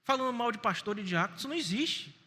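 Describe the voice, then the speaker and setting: A Brazilian Portuguese-accented man preaching as a pastor in a church, in an animated, folksy storytelling way. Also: very high-pitched, quick pace, slightly rough. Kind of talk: sermon. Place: church sanctuary. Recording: long church reverb.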